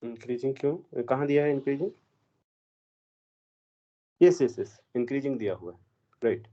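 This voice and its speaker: A man's voice: mid-range voice, animated, normal speed, mellow. Man teaching math in a dull, lo-fi recording. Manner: mixes Hindi with English math terms, quizzes students. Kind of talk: exam problem lecture.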